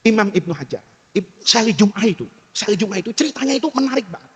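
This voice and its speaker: A male preacher telling a story in a sermon, animated and switching into lower voices for the characters. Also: quick pace, big-room sound.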